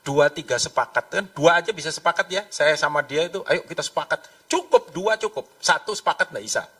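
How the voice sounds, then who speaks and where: A man preaching a lively, conversational sermon, acting out voices in his stories. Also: a little high, a little fast, far from the mic. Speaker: pastor.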